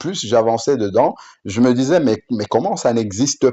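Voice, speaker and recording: A man with a Cameroonian accent, speaking at a moderate pace. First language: Bamoun (speaking French). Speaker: app developer presenting his project. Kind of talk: product demo / personal presentation. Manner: halting, many hesitations.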